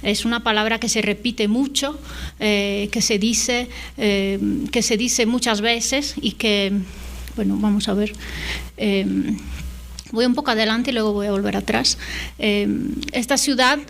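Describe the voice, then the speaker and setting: A woman's voice: fairly high pitch, steady tone, a little slow, fairly bright tone. A middle-aged woman whose first language is Italian, giving an invited conference talk in a hesitant way, full of fillers and tag questions. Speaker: invited lecturer.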